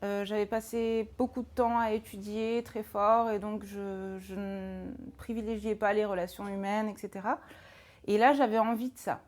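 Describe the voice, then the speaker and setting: A woman in her thirties, a jewelry designer, answering interview questions calmly and in a measured way. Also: medium pitch. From France. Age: 30s.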